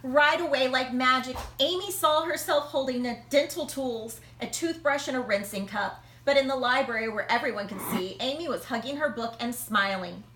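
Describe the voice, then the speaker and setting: A woman reading a children's picture book aloud, expressively, with dramatic pauses and emphasis. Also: high voice, fairly bright tone, roomy sound. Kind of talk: animated children's read-aloud.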